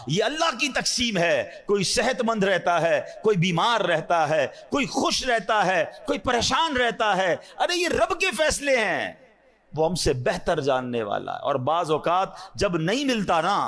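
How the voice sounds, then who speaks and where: Male Pakistani preacher, high voice, sermon with rhetorical questions and rising fervor. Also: a bit bright. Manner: rhetorical questions to the audience, rising to emotional peaks.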